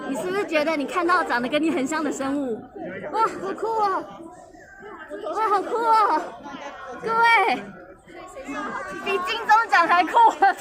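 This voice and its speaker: Female vlogger, Taiwanese accent, high voice, excitable and chatty, talking over loud crowd and music. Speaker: vlogger, voice actress. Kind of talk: casual live vlog commentary. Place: busy public event venue.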